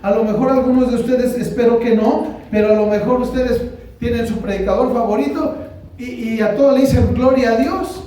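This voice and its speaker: Mexican man preaching, very high voice, conversational, heavy hall echo, heard from far off. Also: steady tone, brisk, mellow. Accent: Mexican Spanish. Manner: conversational, asks the congregation questions. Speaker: pastor. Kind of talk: sermon. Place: church hall. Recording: very echoey hall from far off, faint noise.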